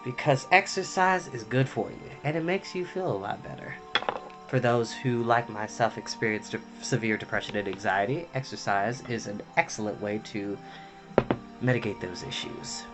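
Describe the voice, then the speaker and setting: A man's voice: on the low side, moderate pace. A man hosting a casual story time livestream with sassy, campy drag-queen flair, chatting sweetly to viewers. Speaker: host of a live story time stream. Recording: music playing behind the voice. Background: soft ambient background music.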